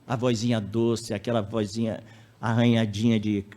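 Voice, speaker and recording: A man's voice: fairly low pitch, level tone, moderate pace, a little mellow. Conversational male lecturer acting out stories. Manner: conversational, tag questions, acts out anecdotes. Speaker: lecturer at a spiritist center. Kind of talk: public lecture.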